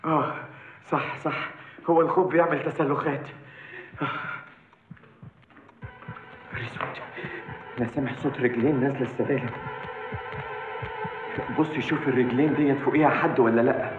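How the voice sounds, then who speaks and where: A man's voice: medium pitch, normal speed, long pauses, close to an everyday voice. An actor with an Egyptian accent playing a bumbling, cowardly comic man who babbles in panic. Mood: panicky. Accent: Egyptian Arabic. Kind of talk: comedy film acting. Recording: tinny film audio with room echo.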